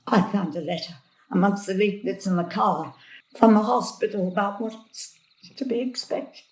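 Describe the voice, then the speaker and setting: A woman's voice: medium pitch, moderate pace, darkish tone, lightly acted. A woman playing an elderly, forgetful grandmother, caring and anxious, in hesitant dramatic dialogue. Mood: gentle, worried. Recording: roomy, distant from the mic.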